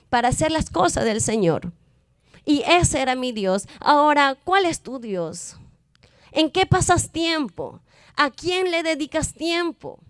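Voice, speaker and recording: A woman gives a testimony sermon in a high, smooth, resonant voice. She presses her point with emphatic, repeated rhetorical questions. The sound is dry and close. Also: no room sound. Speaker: preacher.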